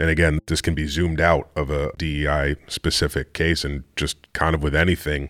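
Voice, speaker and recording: Vocal fry runs through a man's very deep, low voice. His intonation stays fairly even. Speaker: support associate, podcast co-host. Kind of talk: casual chat. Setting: studio, in person.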